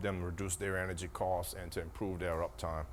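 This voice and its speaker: Amid audible room echo, a man with a very deep, low voice and vocal fry speaks at a fairly quick pace. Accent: Louisiana. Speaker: industrial leak detection surveyor. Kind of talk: conference presentation. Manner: halting, many fillers.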